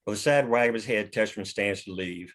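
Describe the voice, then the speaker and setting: A man's voice: lowish voice, a little fast, a bit bright. A man narrating the stage directions of a screenplay at a table read.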